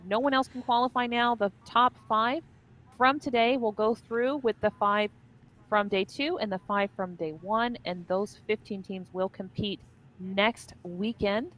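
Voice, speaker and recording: A woman's voice: mid-range voice, fairly bright tone, rough recording. A woman co-hosting an esports stream, explaining the schedule, giveaways and fights in an upbeat, organized way. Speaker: esports co-caster. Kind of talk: casual esports commentary.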